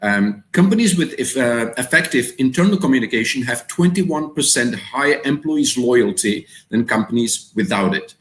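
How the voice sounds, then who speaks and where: A man's voice: mid-range voice, animated, moderate pace, few pauses. Czech-accented man hosting a webinar. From Czech Republic. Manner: hesitant, many fillers and repeated words. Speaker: webinar host. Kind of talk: live webinar presentation. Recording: roomy echo.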